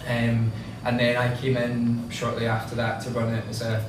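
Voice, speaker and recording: A man with a strong Scottish accent giving an informal public talk as a curator, chatty and halting, often repeating words. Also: mid-range voice, completely flat delivery. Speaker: gallery curator co-presenting an exhibition tour. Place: indoor gallery space. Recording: very echoey room, distant mic, noisy.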